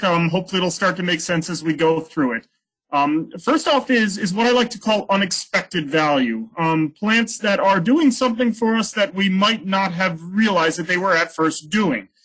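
Quiet surrounds speech delivered at a moderate pace. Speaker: guest plant lecturer. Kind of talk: lecture. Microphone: video call.

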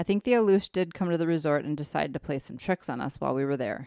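A woman with a Wisconsin accent and a fairly low pitch speaks at a fairly quick pace with ordinary pitch variation. The recording is very clean, with a silent background and a dry, close sound with no echo. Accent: Upper Midwest American (Wisconsin). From Wisconsin, US Midwest. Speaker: podcast co-host. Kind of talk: casual chat.

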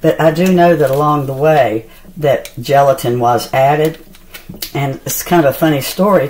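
Over light background noise, a woman with an American accent and a very deep, low pitch talks at a moderate pace with ordinary pitch variation. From Charlotte, North Carolina, US South. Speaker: cooking video creator. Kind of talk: cooking tutorial. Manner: chatty, conversational. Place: kitchen. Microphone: phone near.

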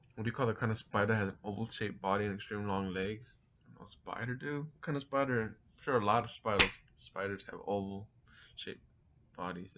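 Over noticeable background noise, a man with an American accent talks at a very fast pace in a bright, sharp tone, his fairly low voice making big swings in loudness. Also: ordinary pitch variation. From East Los Angeles, California. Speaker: military veteran. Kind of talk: casual talk to camera. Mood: relaxed, playful, laughing. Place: home room. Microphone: webcam.

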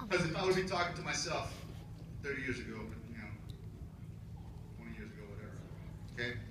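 A man with long, frequent pauses, amid noticeable background noise and audible room echo. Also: moderate pace. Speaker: commencement speaker, former biochemist and radio DJ. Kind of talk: graduation speech. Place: hall.

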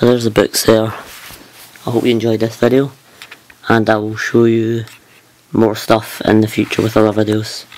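Monotone, flat intonation from a man at a moderate pace, with long, frequent pauses and light background noise. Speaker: YouTuber showing a book collection. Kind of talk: casual show-and-tell video. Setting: recording close behind a camera. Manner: loud; hesitant, many ums. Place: home room. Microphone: phone near.

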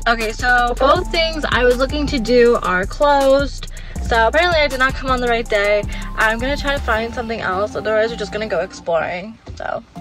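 A woman speaks at a fairly quick pace with a high pitch. The sound is dry with no echo, and clear music plays in the background. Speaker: vlogger. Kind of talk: casual vlog chat. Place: car. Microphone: phone near.

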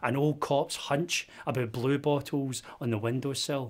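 A man with a Scottish accent, moderate pace and fairly even intonation. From Scotland. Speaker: poet. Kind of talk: spoken-word poem performance, rhythmic and rhyming. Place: studio.

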